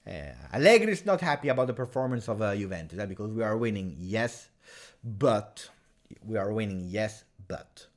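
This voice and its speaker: Excitable man reacting live. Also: lowish voice, moderate pace. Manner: chatty and partisan, bursting into excited shouts at chances. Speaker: fan channel match reaction host. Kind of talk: live match reaction commentary.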